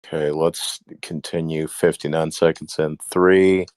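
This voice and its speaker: A man's voice: rumbling low, little pitch movement, unhurried, darkish tone, dry recording. A man hosting casual comedic commentary with a dry, wry manner. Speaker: host.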